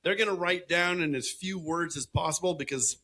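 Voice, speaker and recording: Bright-toned laid-back male co-host. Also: on the high side, brisk. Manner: casual, laid-back, chuckling. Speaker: podcast co-host. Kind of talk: live podcast chat. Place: live show venue.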